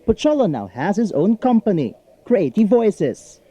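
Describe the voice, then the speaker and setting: A man's voice: high voice, sing-song, measured pace, mellow. A man with a Filipino accent reading scripted narration as a TV news reporter.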